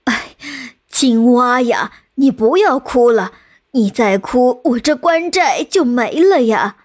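A woman voicing a proud old chieftain lord who scorns a frog suitor and speaks in a drawn-out, mocking way. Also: on the high side, animated. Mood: pleading. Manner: scornful and drawn-out, turns begging.

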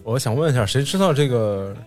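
Male, mid-pitched, lively intonation, casual chat, descriptive, repeats phrases. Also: brisk, soft background music.

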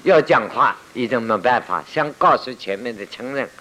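A man teaching Buddhism to a seated audience, telling it lively, acting out cries and scolding his listeners. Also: mid-range voice, normal speed. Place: lecture room with listeners.

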